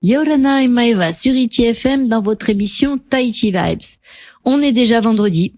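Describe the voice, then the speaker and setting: A woman's voice: on the high side, normal speed, a little mellow, dry recording, faint music behind. Chatty woman radio host, dry studio. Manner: friendly, rambling questions with many fillers. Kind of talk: casual radio interview.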